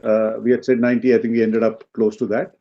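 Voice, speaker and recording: A man answering questions as a company executive on a business call, explaining in a halting way and often checking with a short tag question. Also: medium pitch, little pitch movement. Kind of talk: unscripted business Q&A on an earnings call. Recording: dull, lo-fi conference call audio.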